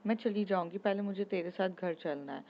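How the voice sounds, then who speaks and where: A woman's voice: mid-range voice, fairly quick, slight background noise, close to an everyday voice. Woman doing anu, bossy loyal bestie, scolds a lot, lo-fi sound. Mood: pleading.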